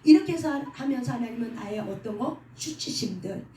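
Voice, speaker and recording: A woman's voice: a little high, lively intonation, a little fast, warm tone. A middle-aged woman preaching a sermon at a prayer house. She keeps asking the congregation rhetorical questions and has them repeat lines after her. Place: prayer hall indoors. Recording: echoey hall, voice from far off, faint background noise.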